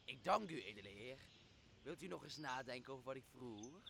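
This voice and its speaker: A young man, a student actor in a radio play, playing a servile, spiteful island monster with a creaky voice. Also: mid-range voice, animated, brisk, fairly bright tone, a little hiss or hum. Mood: fawning, pleading. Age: young adult. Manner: grovelling pleas and spat insults. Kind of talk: amateur radio drama acting.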